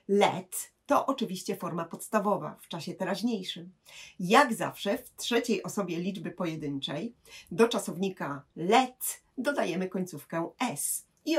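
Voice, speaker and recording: Husky woman teaching English grammar. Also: on the low side. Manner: clear, patient explaining with slow English examples.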